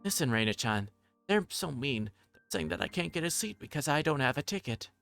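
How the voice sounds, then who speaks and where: A man's voice: medium pitch, big pitch swings, a little fast, vocal fry, fairly bright tone, soft background music, pitched above the performer's own voice. A man voicing a pushy, gushing woman customer who talks in a chatty, familiar way, in a visual novel. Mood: indignant.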